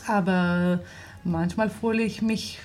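A woman's voice: lowish voice, steady tone, slow pace, a little mellow. A woman from Israel speaking German with an Israeli accent, a stage actress talking hesitantly in a casual interview and often searching for words. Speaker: actress and theatre director.

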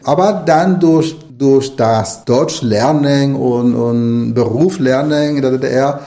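A man's voice: medium pitch, takes it slowly, dark tone. A middle-aged man from Nicaragua, a Spanish native speaker, answering interview questions as an author and lecturer, thoughtful and rambling with many restarts.

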